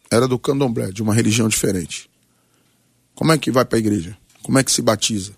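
A Brazilian man in his forties with a gravelly, creaky voice of middling pitch, speaking as a pastor. He tells his testimony and exhorts in short, emphatic, preacherly phrases. The sound is dry, with little room around it. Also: no echo. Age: 40s. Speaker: pastor, guest on a radio debate. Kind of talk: personal testimony and exhortation in a talk programme.

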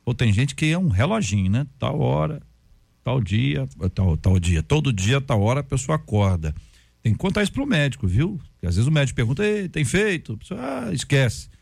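A man, a pastor, talking about prayer in a relaxed, conversational way and acting out stories and prayers. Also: mid-range voice, brisk, creaky, slightly rough, no room sound. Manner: storytelling, acts out prayers and quotes. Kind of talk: conversational faith talk.

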